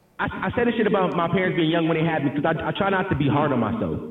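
Amid noticeable background noise, a man talks very fast in an animated tone at a fairly high pitch. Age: 20s. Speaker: podcast host. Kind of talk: casual chat.

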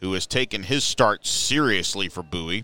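At a moderate pace, a man with a plain, everyday voice talks with lively intonation. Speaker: sports play-by-play announcer. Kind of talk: live sports commentary, play-by-play. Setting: press box at ballpark, streamed live.

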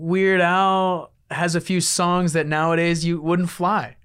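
In a monotone, flat delivery, a man with an American accent speaks at a high pitch on a very clean recording with a silent background. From Los Angeles, US West Coast. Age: 20s. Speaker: musician. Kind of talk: casual chat.

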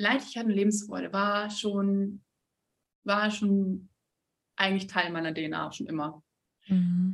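A woman speaks at a very slow pace with long, frequent pauses, her medium-pitched voice somewhat breathy and her intonation fairly even. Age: 20s. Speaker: therapist. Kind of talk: casual chat.

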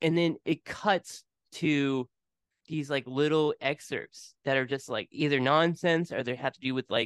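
Against a quiet background, a man uses an unremarkable speaking voice, fairly high in pitch with ordinary pitch variation, at a moderate pace, with a dry, close sound and no echo. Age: 30s. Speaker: musician. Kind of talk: casual chat.

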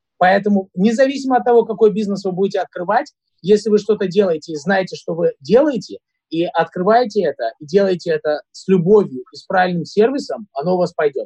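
Heard with a dry, close sound and no echo, a man speaks at a fairly quick pace in a high pitch, with lively intonation, big swings in loudness, and a dark, mellow tone. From Belarus and southern Russia (Minsk, Sochi). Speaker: real estate broker. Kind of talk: interview. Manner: halting, many fillers.

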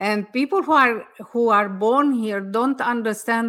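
With a non-native accent, this voice has a bright, sharp tone, a fairly slow pace and lively intonation, heard on a very clean recording with a silent background. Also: woman. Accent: foreign-accented English. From outside the US, immigrant. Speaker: energy healer. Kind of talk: interview. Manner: hesitant, many fillers.

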